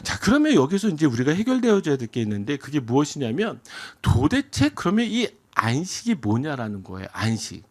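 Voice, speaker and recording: A man preaching a Sunday sermon as a pastor, asking the congregation questions and answering them himself, and slowing down when he quotes scripture. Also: on the high side, huge pitch swings, a little mellow. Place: church sanctuary.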